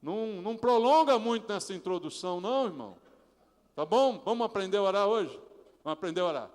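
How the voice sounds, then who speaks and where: A male pastor from Brazil preaching a sermon, asking the congregation questions and acting out prayers in a hushed, pleading voice. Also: high-pitched, expressive, fast. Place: church sanctuary. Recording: reverberant church hall.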